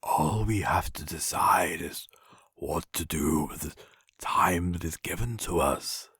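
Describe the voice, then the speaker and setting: A man playing a sage, kindly old wizard, giving solemn counsel in a breathy hush in fantasy film style. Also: low-pitched, takes it slowly, dry recording, studio quality, exaggerated voice. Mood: gentle, solemn. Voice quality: breathy, hushed.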